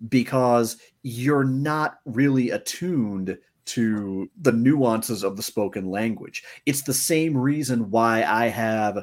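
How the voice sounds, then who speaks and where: A man co-hosting a movie review podcast, talking casually and deliberately, often restarting his sentences. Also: mid-range voice. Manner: deliberate, pausing with repeated restarts.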